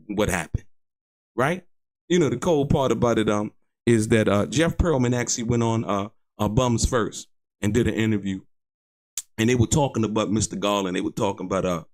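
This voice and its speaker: Low-voiced man, emphatic halting commentary. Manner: emphatic, repetitive, halting with repeated words; indignant, disputing. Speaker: online show host. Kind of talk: opinionated commentary to viewers.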